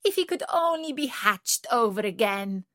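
A woman's voice: a little high, lively intonation, moderate pace, sharp tone, dry recording, studio quality. A woman voicing a stately old female duck who rules the farmyard in a storybook, haughty and condescending.

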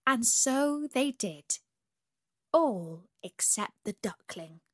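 Slow, breathy woman reading a fairy tale. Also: medium pitch, no room sound. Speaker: storyteller. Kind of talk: storybook reading.

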